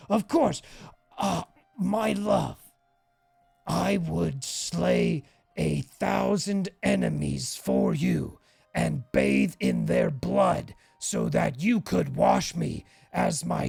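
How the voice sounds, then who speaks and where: A man voicing a grandiose, fawning male warrior suitor, in slow flowery speech. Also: high voice, very animated, creaky, a little mellow, husky, dry recording, faint music behind, full character voice.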